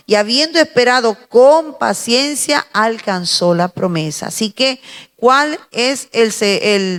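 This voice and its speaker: A woman with a Spanish accent from Spain giving a slow, emphatic morning devotional sermon, pausing and repeating her phrases as she preaches. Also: a little high, a bit bright, in a large hall.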